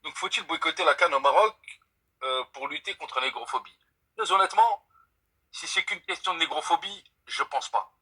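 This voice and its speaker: A man's voice: fairly high pitch, normal speed, sharp tone, breathy edge, low-quality recording. A young man from France calling in to a live stream, speaking earnestly and emphatically and swearing by God to stress his points. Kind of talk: casual debate call.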